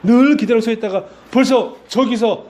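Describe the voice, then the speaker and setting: A man's voice: extremely high pitch, moderate pace, dark tone. A man preaching a sermon as pastor, telling a story animatedly and throwing out rhetorical questions.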